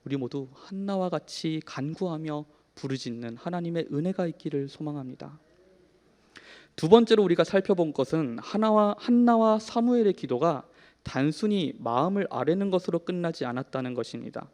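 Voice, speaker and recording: In a church hall with long reverb, a man in his thirties delivers a sermon built around a personal story. His fairly high, expressive voice moves at a moderate pace, earnest throughout as it shifts from soft to emphatic.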